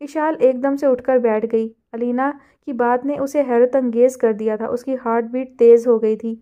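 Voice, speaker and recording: A woman's voice: on the high side, fairly even intonation, warm tone, dull audio. A woman narrating a novel as an audiobook, reading steadily. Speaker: novel reader.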